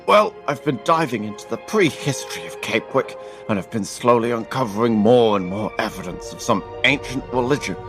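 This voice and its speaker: A man playing an earnest history professor and museum curator, speaking in a measured, scholarly way in a scripted promo. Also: medium pitch, animated, over music, natural voice.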